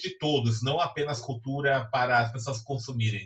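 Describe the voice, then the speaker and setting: Speaking at a fairly quick pace, a man with a medium pitch and ordinary pitch variation comes through over noticeable background noise. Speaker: professor and talk show host. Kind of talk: interview question, conversational.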